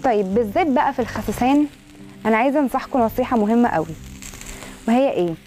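An Egyptian woman food blogger talks at a breakneck clip while she cooks, her voice a touch higher than most and mellow rather than bright. She piles on emphatic intensifiers in her friendly, chatty advice. Food sizzles in a pan and faint music plays behind her. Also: animated, fast. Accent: Egyptian Arabic.

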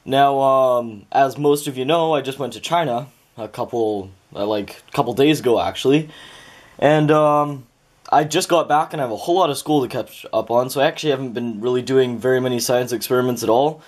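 Young male vlogger, Canadian accent, mid-pitched voice, informal rambling delivery, recorded in a bedroom. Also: a little fast. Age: young adult. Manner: informal, rambling, self-correcting. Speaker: host of a home chemistry channel. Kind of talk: casual vlog, unscripted lab tour. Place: small home bedroom with a makeshift lab.

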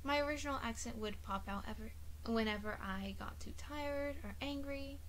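A woman's voice: on the high side, moderate pace, fairly bright tone, slight background noise. A young adult woman with a British accent that leans a little Welsh, chatting casually through a rambling storytime as a voice actor and YouTuber. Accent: British, slightly Welsh-leaning. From United States. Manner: chatty, rambling, a bit profane.

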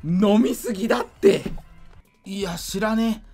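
A drunk man giving casual gameplay commentary, rambling, slightly slurred and excitable, often repeating himself. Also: high-pitched, unhurried, faint music behind. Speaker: gaming video creator.

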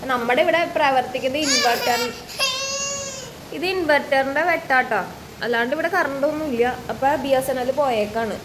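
High-voiced young Keralan woman vlogging at home. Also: moderate pace, noisy background. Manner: chatty, sing-song baby talk with her toddler. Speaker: vlogger and mother. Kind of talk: casual home vlog chat. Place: home on a rainy day. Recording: home recording with faint rain ambience.

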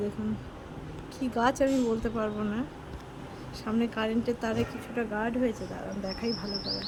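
Chatty woman vlogger, noisy phone audio. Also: on the high side. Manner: chatty, points things out to viewers. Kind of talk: casual home tour vlog. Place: new flat and surroundings in a city, indoors and on a balcony.

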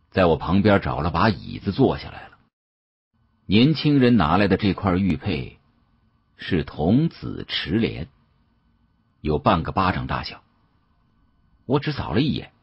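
A man's voice: low voice, very animated, measured pace, pauses often, slightly rough. A man narrating an audiobook in a dramatic, first-person storytelling style. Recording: dull, muffled audio.

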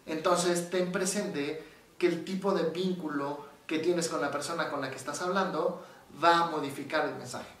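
Animated Mexican man in an echoey room. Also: fairly high pitch, normal speed, recorded from a distance. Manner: animated storyteller, acts out quoted voices. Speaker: psychologist. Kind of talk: casual explanatory talk to camera.

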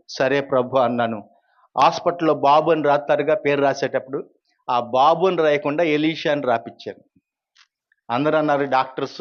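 A man's voice: fairly high pitch, dull audio. Earnest male pastor giving testimony. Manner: earnest storytelling, rising when quoting others. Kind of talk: personal testimony.

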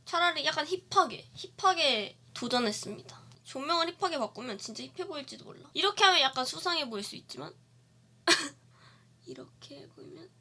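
Bright, lively woman streamer. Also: high-pitched, fast, hardly any pauses. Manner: playful, chatty, answering viewer comments. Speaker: live streamer. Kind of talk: casual live-stream chat. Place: dim room. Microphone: webcam streaming setup.

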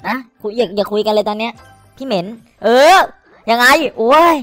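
A man giving excited, crude commentary while streaming a slot game, cursing and pleading at the screen. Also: high-pitched, moderate pace, no room sound, faint music behind.

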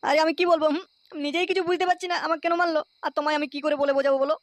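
A man's voice: very high-pitched, fairly even intonation, racing, dry recording. A man voicing a cheeky womaniser who plays innocent in a comedy cartoon, whiny and mocking, with a West Bengal accent. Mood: whining.

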